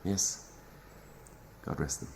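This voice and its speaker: An actor playing an awkward, folksy Irish Catholic priest in a naturalistic audio drama. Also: male voice, takes it slowly, darkish tone, a little hiss or hum, natural voice. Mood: subdued, sombre.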